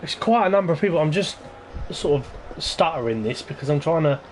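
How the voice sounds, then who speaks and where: A man's voice: a little high, expressive, a little fast, slight background noise. A man commentating casually on an online racing league, rambling and hesitant with lots of ums. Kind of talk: casual race-preview commentary.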